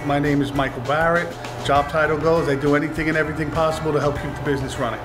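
A man's voice: on the high side, steady tone, racing. A man in his forties, co-owner of a market and restaurant, talking in a chatty, joking storytelling way in an indoor interview. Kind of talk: casual testimonial interview. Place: restaurant dining room, indoors. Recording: music playing underneath.

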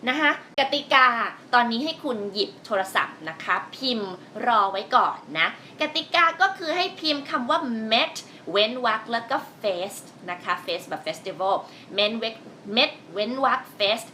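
Woman DJ, lively swinging pitch, bright promo read, faint studio noise. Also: unhurried, hardly any pauses. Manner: lively announcer delivery, playful. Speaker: radio DJ co-host.

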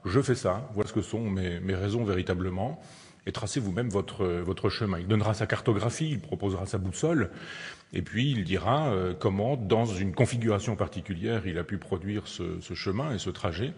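A man delivers a public lecture in a low, husky voice, stopping often on fillers and restarting his sentences as he thinks aloud. His voice carries the long reverb of a lecture hall. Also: darkish tone. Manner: hesitant, full of "euh" fillers and restarts.

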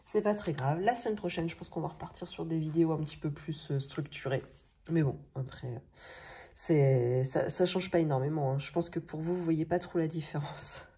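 A woman in her thirties with a French accent chats casually, thinking aloud in colloquial speech with a slightly rough morning voice. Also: deep voice, moderate pace, warm tone. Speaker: budgeting video host. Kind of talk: casual chatty vlog narration. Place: indoors at a table. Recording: noisy home recording with clicks.

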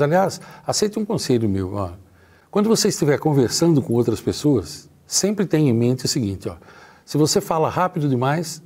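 A man's voice: fairly high pitch, dark tone, husky. A middle-aged man teaching a workplace lesson as a trainer. He talks emphatically and straight to the viewer, acting out short dialogues as he goes. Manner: acts out short dialogues in his talk.

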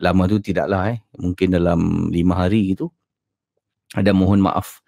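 A man's voice: low voice, little pitch movement, normal speed, gravelly, darkish tone, no echo, clean studio sound. A Malaysian man hosting a casual livestream, speaking with a slight slurred lisp from a sore, ulcerated tongue. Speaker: podcast and livestream host. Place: at home.

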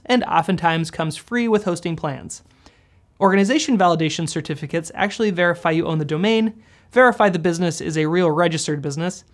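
An American man in his thirties presenting a scripted comedic explainer in a goofy, playful manner. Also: sits high. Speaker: host. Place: indoor green-screen studio.

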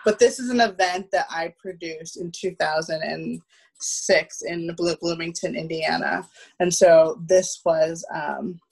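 A woman's voice: fairly low pitch, unhurried, gravelly, husky, low-quality recording. A woman in her thirties chatting casually as a guest on a video call, stammering on the first syllables of words. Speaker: guest, theatre producer. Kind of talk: casual chat. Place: home room, on a video call. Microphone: video call, wearing headphones.

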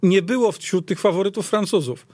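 Higher-pitched male football pundit. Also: moderate pace, a little mellow, no echo. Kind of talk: conversational sports analysis.

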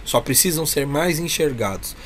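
A man's voice: a little high, animated, normal speed, a bit bright. A man with a Brazilian Portuguese accent speaking earnestly and emphatically as an interview guest, in a heartfelt, encouraging way. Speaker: interview guest, clown performer from a humour troupe. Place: small room with a curtain backdrop. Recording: noisy webcam call audio.

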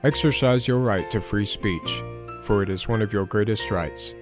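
A man's voice: fairly low pitch, moderate pace. A young man narrating scripted radio commercials and announcements as an announcer. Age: young adult. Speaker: media student and radio announcer. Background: music.

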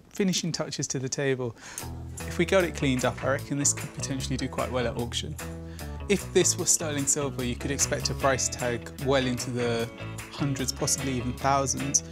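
Young man, antiques presenter, polite and keen, mid-pitched. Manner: polite, enthusiastic. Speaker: antiques expert. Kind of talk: casual on-camera talk. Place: indoor antiques shop.

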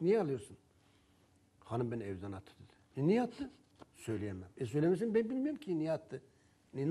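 A man's voice: a little high, warm tone, slightly rough. A man who sells herbal remedies, telling anecdotes about customers and acting out their back-and-forth in casual talk. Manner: storytelling, acting out dialogue with customers.

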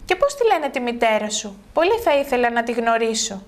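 A woman's voice: on the high side, sing-song. A woman reading aloud as a friendly adult male director who keeps asking curious questions.

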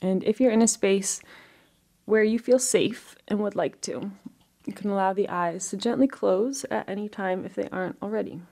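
A woman with a mid-range voice leads a guided relaxation, gently giving unhurried instructions with frequent pauses between phrases.

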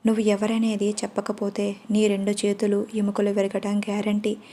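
A woman doing a fierce young fighter heroine in an audio story, blunt and threatening. the delivery stays flat, with little melody. the tone is mellow rather than sharp. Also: mid-range voice, moderate pace, natural voice.

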